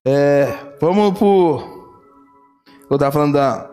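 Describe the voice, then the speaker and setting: A man's voice: a little high, slow, warm tone, soft background music. A man preaching a sermon, telling a story fervently and repeating phrases. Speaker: pastor.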